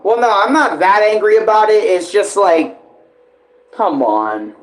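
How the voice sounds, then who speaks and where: A man's voice: high-pitched, expressive, a little slow, rough recording. A man giving casual, rambling reaction commentary as host, slangy and loose with swearing.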